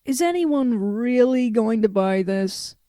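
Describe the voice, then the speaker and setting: A woman playing a self-conscious, grumbling female robot in an audio drama, deadpan and reluctant. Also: fairly high pitch, takes it slowly, no room sound, clean studio sound.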